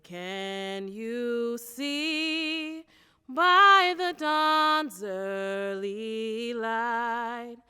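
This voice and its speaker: Woman singing an anthem, high and bright, really slow, big hall reverb. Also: clean tone. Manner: sustained, drawn-out singing. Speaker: anthem singer. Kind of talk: solo singing of a national anthem. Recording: long hall reverb with music.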